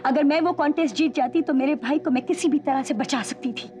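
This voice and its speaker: An actress in a TV melodrama playing a bitter woman who makes deliberate, dramatic accusations. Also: sits high, natural voice. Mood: bitter, accusing. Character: bitter, accusing woman blaming a rival for her brother's death. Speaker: actor in a TV serial. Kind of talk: Hindi TV melodrama acting. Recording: TV drama with prominent background music.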